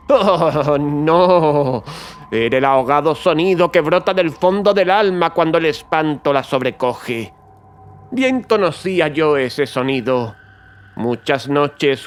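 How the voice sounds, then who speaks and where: An actor playing a mad, gloating murderer who confesses in a theatrical horror audiobook, swinging between hushed and agitated delivery. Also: male voice, on the high side, smooth. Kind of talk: dramatic horror audiobook narration.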